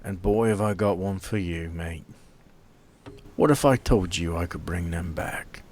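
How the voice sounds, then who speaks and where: A man voicing a friendly, courteous stranger in a tabletop game, smooth-talking and folksy as he offers a deal. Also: low voice, measured pace, a little mellow, pitched below the performer's own voice. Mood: smooth, persuasive. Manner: genial, folksy, courteous salesman patter.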